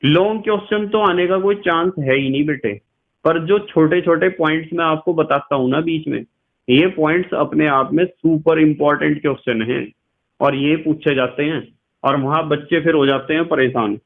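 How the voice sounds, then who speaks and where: A middle-aged man with a western Uttar Pradesh Hindi accent lectures on chemistry, his voice sitting somewhat high. He explains slowly, repeats key phrases and keeps asking his students questions. The sound is thin and tinny, as if through a phone. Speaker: chemistry teacher. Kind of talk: classroom lecture.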